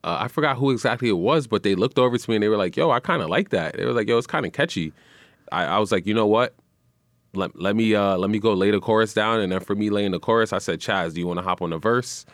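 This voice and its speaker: A young man, chatting easily as a guest in a radio studio. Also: dry recording. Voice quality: deep voice. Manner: relaxed, easygoing, says "man" and "you know" often. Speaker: guest musician and radio personality. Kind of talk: casual interview chat.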